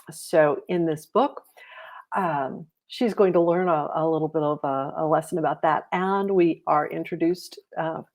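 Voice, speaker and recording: A woman reading a children's picture book aloud, explaining gently and expressively in a deliberate way. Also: lowish voice. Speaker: storytime reader.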